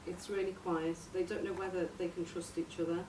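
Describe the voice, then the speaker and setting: Woman, tentative informal story pitch, searching for words, far from the mic, clearly noisy recording. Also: little pitch movement, fairly quick. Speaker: workshop participant presenting a radio drama outline. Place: echoey room, recorded from a distance. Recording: roomy, distant mic, noisy background.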